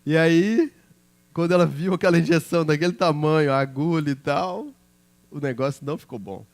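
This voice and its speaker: A man's voice: fairly high pitch, a little fast, a little mellow. A middle-aged man, a pastor preaching a sermon through chatty personal stories and often checking in with his listeners.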